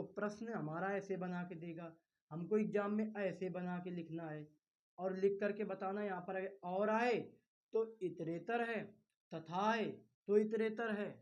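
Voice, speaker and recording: Guy teaching grammar for exams, keeps repeating words and asking the class questions, goes quieter when he steps off the mic. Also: high-pitched, muffled recording. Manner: repeats key terms, quizzes listeners with questions; reassuring, coaxing with "bhai". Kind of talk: exam-prep grammar lecture.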